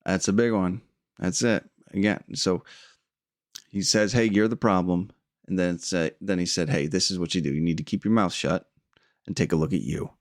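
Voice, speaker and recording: Low-voiced man, earnest informal spiritual teacher, dry close recording. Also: no room sound. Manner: earnest, reflective, with fillers and pauses.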